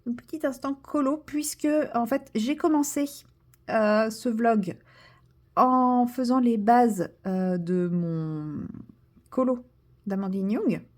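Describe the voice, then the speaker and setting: A woman's voice: on the high side, takes it slowly, darkish tone. A French woman chatting casually as she colors at her desk, self-mocking, sometimes dropping to a whisper, recorded by a camera on a tripod. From France. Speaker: vlogger. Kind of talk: casual vlog while coloring. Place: indoors at a desk.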